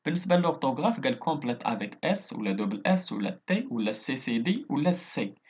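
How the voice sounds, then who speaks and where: A man with a Moroccan accent, a teacher explaining a French worksheet, dictating slowly and adding quick asides in Moroccan Arabic. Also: medium pitch, sing-song, darkish tone, breathy edge. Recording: dull lo-fi recording.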